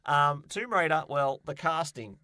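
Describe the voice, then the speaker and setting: A man's voice: on the high side, animated, a little slow, bright, forceful tone, no echo. Jokey male podcast co-host, dry sound. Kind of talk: casual chat about films and games.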